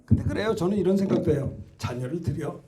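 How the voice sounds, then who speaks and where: A man's voice: on the high side, expressive, fast talker, warm tone. A male pastor preaching a sermon with emphatic rhetorical questions.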